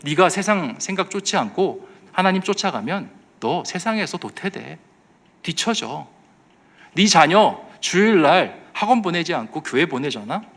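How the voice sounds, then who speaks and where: A man's voice: on the high side, very animated, a little slow, fairly bright tone, pitched above the performer's own voice, exaggerated voice. A man voicing the world as a taunting male tempter who needles with questions. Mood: scolding.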